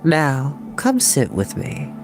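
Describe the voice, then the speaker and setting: Woman reader as a serene, unhurried wise woman. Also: deep voice, huge pitch swings, a little mellow, faint music behind, heavily acted. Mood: gentle. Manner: serene, measured. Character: serene, wise female geomancer, gently instructing.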